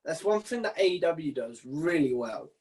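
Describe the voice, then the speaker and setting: A man with a fairly high-pitched voice hosts a casual chat. He is informal and matey, putting questions and sharing his own views like one mate talking to another. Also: expressive, normal speed, darkish tone. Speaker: interviewer, video channel host.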